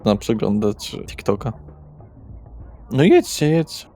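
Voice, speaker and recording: A man's voice: fairly low pitch, very animated, takes it slowly, dark tone, faint music behind, voice pushed down, full character voice. A man voicing a cocky, eager young street tough who swears and talks in pushy slang in a tabletop roleplaying game.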